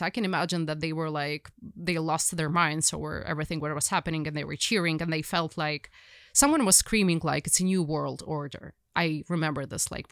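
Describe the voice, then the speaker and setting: A woman's voice: low voice, a bit bright, dry recording, studio quality. A young woman with a Ukrainian accent, a journalist guest telling her story in casual conversation, rambling with many fillers and restarts.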